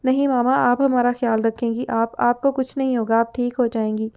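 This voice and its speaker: A woman's voice: fairly high pitch, little pitch movement, clean tone, natural voice. A woman reading as a frightened young daughter. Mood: tearful. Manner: urgent and pleading. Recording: narrow phone-like sound.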